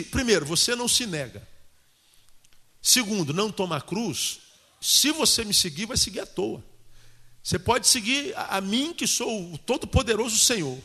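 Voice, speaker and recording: A man preaches in a lively, colloquial way and keeps turning to the congregation with questions. His voice sits high and rings bright and forceful. Long reverb from the church hall trails behind him. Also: moderate pace, husky. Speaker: pastor. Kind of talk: sermon.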